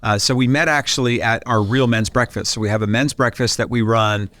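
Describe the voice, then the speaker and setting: A man's voice: medium pitch, steady tone, a little fast, a bit bright, no room sound. An enthusiastic man hosting a chatty podcast interview in a studio. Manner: upbeat, enthusiastic. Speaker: podcast host.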